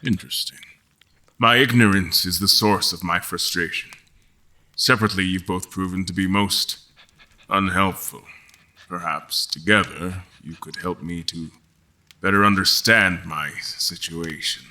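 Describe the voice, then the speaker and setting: An actor playing a frustrated, wry mortal guest in an audio drama, choosing words in a deliberate, formal, dry manner. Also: male voice, sits low, steady tone, bright, forceful tone, exaggerated voice. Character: mortal male guest, frustrated, wry, carefully probing captors. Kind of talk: audio drama acting with first-person narration.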